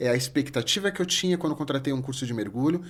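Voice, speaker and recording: A man's pitch varies in an ordinary way. The recording is very clean against a silent background. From São Paulo, Brazil. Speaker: diving instructor and business owner. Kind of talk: podcast interview.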